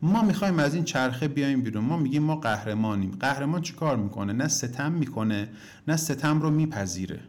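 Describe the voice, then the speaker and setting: A man of middle pitch coaches the students on his course, talking straight to them as if in class. He leans on his points by swinging his voice up high and dropping it low. He slips in anecdotes and plays out the voices in them. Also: animated, darkish tone. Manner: emphatic, swings pitch up and down for emphasis; addresses listeners directly as "kids". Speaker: relationship coach teaching a course.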